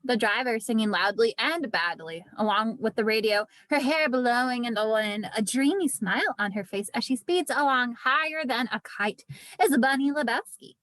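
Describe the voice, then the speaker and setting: Reading stage directions as scripted narration for a screenplay table read, a woman speaks at a moderate pace. Her voice is fairly high and a bit bright, with a dry, close sound and no echo.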